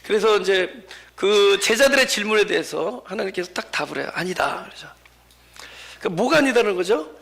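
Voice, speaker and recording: A male pastor preaching a sermon, acting out the questions and replies he quotes and building to emphatic shouted refrains before dropping back low. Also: animated, fairly quick, creaky. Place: church sanctuary.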